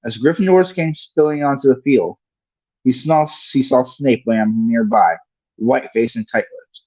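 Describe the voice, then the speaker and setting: A man with a mid-range, slightly mellow voice reads a story aloud at a measured pace as a livestream host, in the style of a read-along audiobook. He occasionally stumbles over a word and corrects himself, and the recording is lo-fi with no room sound.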